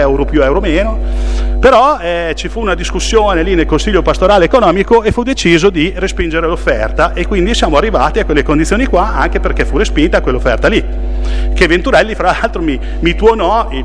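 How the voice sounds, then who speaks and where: A man's voice: fairly high pitch, a little hiss or hum. A man speaking as a town councillor at a council meeting, rambling and hesitant, with many restarts and small chuckles. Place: council chamber.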